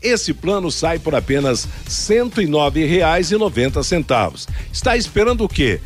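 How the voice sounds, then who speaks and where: A man's voice: a little high, very animated, moderate pace. A Brazilian man reading a radio ad as a sports show host, with a punchy, insistent hard-sell delivery. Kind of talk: scripted radio ad read. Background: loud music bed.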